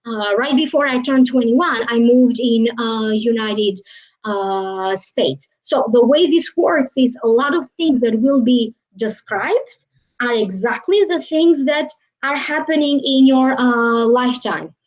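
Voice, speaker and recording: A woman hosts a casual live stream as a psychic reader. She rambles, fills her pauses with "uh," and lets her sentences trail off. Her voice sits high, and the stream audio sounds dull and muffled. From Albania. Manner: rambling, many fillers and trailing phrases.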